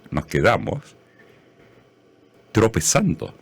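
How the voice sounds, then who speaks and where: This is a man's voice. It carries vocal fry. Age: 70s. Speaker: poet. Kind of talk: interview. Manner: hesitant, many fillers.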